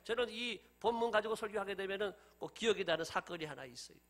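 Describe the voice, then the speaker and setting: A middle-aged male pastor delivers a lively sermon and jumps into different voices to act out scenes. His voice sits very high for a man and has a bright, forceful edge. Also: quick pace. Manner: animated preaching, acting out scenes in different voices.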